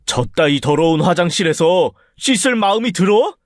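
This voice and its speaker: A man's voice: high voice, expressive, moderate pace, no echo, clean studio sound. A man voicing an irritable, sick middle-aged husband who harshly scolds his wife in a radio story drama. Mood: nagging. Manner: harsh, nagging, rising to shouts.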